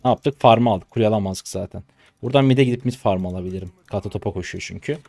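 A man in his twenties from Turkey giving casual live commentary on his own gameplay, chatty and trash-talking, with sudden loud excited shouts, on a close desk mic. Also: fairly low pitch, fast, creaky, no room sound. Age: 20s. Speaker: gaming streamer.

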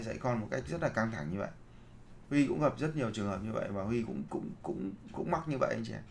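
A leadership trainer gives a seminar lecture in a medium-pitched voice with vocal fry. He poses rhetorical questions, answers them himself, and repeats his key phrases to the audience.

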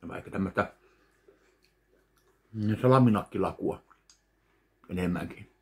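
Slow-talking man reviewing candy at home. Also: sits low, vocal fry, darkish tone. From Finland. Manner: slow, chewing between remarks. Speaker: candy taste-test vlogger. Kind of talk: casual tasting commentary. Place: home kitchen, indoors. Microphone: webcam at desk distance.

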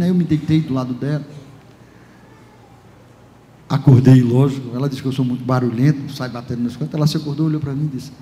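A man with a Brazilian Portuguese accent, a pastor giving a lively personal testimony in a large church, acting out conversations as he goes. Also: on the high side. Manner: lively storytelling, acts out dialogue, chuckles often. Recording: reverberant church hall, faint ambience.

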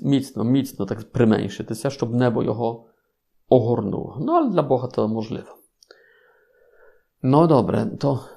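A man's voice: mid-range voice, vocal fry, mellow. A man with a Polish accent, a Capuchin friar giving an informal sermon with playful, ironic asides to his listeners.

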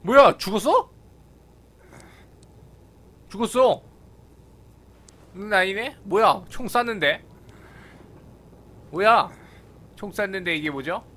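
A man's voice: high-pitched, lively intonation, slow, pauses often, bright, forceful tone. A man giving casual live commentary on a video game, playful and exclamatory, talking back at the characters. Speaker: gaming video host. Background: video game sound.

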